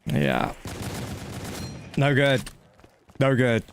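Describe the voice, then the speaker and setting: A video game streamer gives casual live gameplay commentary and chats with viewers in a blunt, slangy, matey way, swearing now and then. His medium-pitched voice is clear and resonant, sing-song, and very slow.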